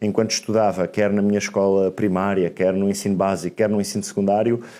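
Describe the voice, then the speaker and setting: A man with a dark, mellow tone. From Portugal, Oeiras near Lisbon. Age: 20s. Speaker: politician, member of parliament. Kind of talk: podcast interview.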